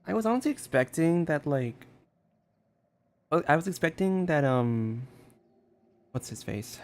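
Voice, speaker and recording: A man giving casual, informal live commentary as he reacts to a game, swearing freely. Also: mid-range voice.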